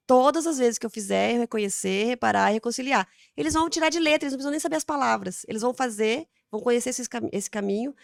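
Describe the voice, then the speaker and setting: A fast, animated Brazilian woman hosting a parenting podcast, slipping into quoted chats with her kids. Her voice sits fairly high and sounds close and dry, with no room around it. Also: gravelly, no room sound. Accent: Brazilian Portuguese. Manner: animated, acts out dialogues with her children. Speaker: podcast host, mother. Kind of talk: casual advice talk.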